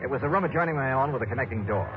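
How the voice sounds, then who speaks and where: A man's voice: medium pitch, rapid-fire, natural voice. An actor playing a wry, hard-boiled insurance investigator who narrates his own case in a 1950s radio drama. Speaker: narrator and lead. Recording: lo-fi old radio with music cues.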